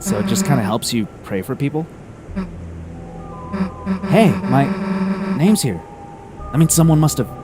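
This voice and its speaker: Guy doing a blunt tough monster girl, slow gruff drawl, cussy, game music faint behind. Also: medium pitch, very animated, voice pushed up. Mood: gruff, puzzled. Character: brash, rough-talking monster girl. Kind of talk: voicing game dialogue on stream.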